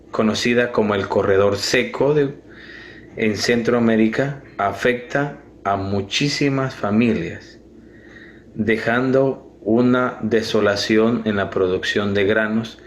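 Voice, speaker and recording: A young man from Guatemala with a Guatemalan Spanish accent, giving a slow, earnest prepared video statement. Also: on the low side, slight background noise. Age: young adult. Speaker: video speaker.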